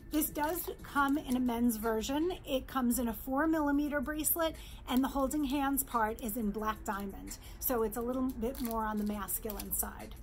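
A middle-aged woman from New York, a jewelry designer, presenting her bracelets in a bright, chatty sales pitch in her showroom, close to the camera. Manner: upbeat, chatty sales pitch, holds up pieces. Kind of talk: virtual trade show product presentation. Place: indoor showroom with jewelry displays.

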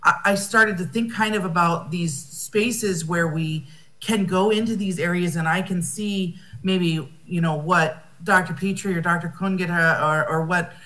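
American woman, slightly low voice, academic speaker on a video call, reflective and searching for words. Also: steady tone, measured pace, a bit bright. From United States. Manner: thoughtful, rephrasing often, with fillers. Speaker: conference speaker. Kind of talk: academic conference talk.

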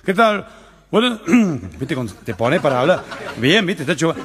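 Animated Argentine comic telling drunk jokes. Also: male voice, on the high side, moderate pace. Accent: Cordobés Argentine Spanish. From Córdoba, Argentina. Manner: animated storyteller, slurring drunk impressions, frequent "¿viste?". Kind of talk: stand-up joke telling with audience laughter. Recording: noisy live recording.

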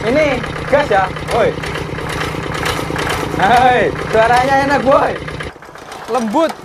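A man, talking through a casual, excited, slangy vlog outdoors in a rice field. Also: extremely high pitch, takes it slowly, heavy background noise. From Indonesia. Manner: excited, slangy, calls viewers "boy". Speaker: vlogger. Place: outdoors in a rice field beside a running tractor.

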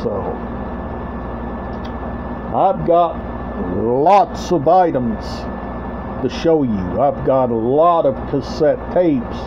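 Medium in pitch yet lively in intonation, this middle-aged man hosts a collection video channel in a casual, rambling show-and-tell. He speaks haltingly in short, broken phrases and repeats himself. The recording, made indoors in a small room at home, has a dull lo-fi webcam quality and clear background noise.

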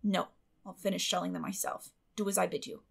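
Middle-aged woman acted by a narrator, stern, strict, grim, clipped, slightly gravelly, audiobook character. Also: lowish voice, steady tone, brisk, heavily acted. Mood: stern, sharp. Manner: sharp, grim, clipped scolding.

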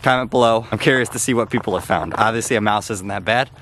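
A man's voice: lowish voice, fast talker, a bit bright, a little hiss or hum. A young man filming himself at arm's length outdoors, chatting casually and explaining step by step. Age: young adult. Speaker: homestead vlogger. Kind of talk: casual talk to camera. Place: outdoors in a snowy yard, partly in a house. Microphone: handheld camera at arm's length.

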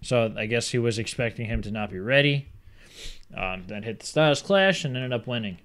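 A man's voice: mid-range voice, expressive, a little fast, a bit bright. A man co-hosting a podcast, chatting about wrestling and filling in and correcting details of a show. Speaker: podcast co-host. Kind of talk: casual wrestling chat.

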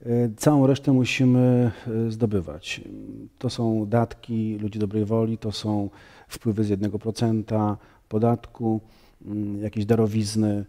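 A man in his thirties, a priest giving a measured, explanatory studio interview with frequent fillers. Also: fairly low pitch, level tone, dark tone. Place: bright TV studio, seated on sofa.

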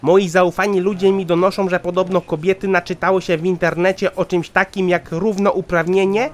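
A man's voice: high voice, flat delivery, moderate pace, lightly acted. A man voicing a callous, dutiful foreman in a satirical cartoon, reporting formally and matter-of-factly.

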